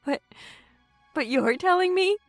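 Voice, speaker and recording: A woman's voice: very high-pitched, lively intonation, a little slow, no echo, faint music behind, heavily acted. An actress playing an anxious, earnest young woman in an audio drama.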